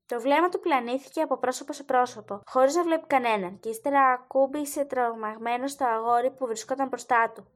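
A woman reading a story aloud as narrator, in a steady storytelling manner. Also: high voice, few pauses. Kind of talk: audiobook narration.

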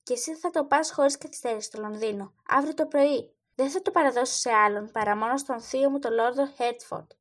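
A woman's voice: high-pitched, hardly any pauses. A woman reading the part of a loyal grown knight in a storybook, thinking aloud and muttering to himself. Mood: musing.

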